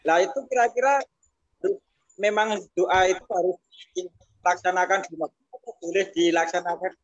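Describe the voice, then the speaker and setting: A man's voice: high voice, steady tone, normal speed, no echo. A man calling in with a question, talking hesitantly with many fillers, while his call audio keeps cutting in and out and jumping up and down in level. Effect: choppy call audio that cuts in and out and rises and falls. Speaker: caller asking a question. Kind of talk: casual question over an online call. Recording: dull lo-fi call line.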